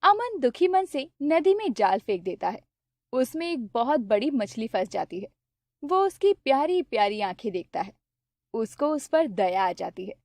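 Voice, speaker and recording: A woman narrating a cartoon story in a steady, plain storybook way. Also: a little high, normal speed, no room sound, studio quality.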